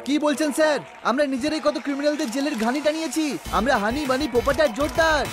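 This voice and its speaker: Excitable cartoon sleuth: extremely high, emphatic, hurried, music behind. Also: male voice. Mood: indignant. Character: eager, excitable cartoon detective hero. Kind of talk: cartoon dub acting.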